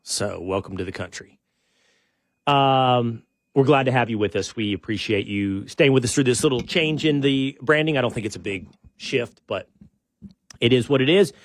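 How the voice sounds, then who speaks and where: Relaxed, rambling male show host. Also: mid-range voice, normal speed, no echo. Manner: relaxed and rambling, with frequent restarts and self-deprecating asides. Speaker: podcast host. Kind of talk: casual show-opening chat.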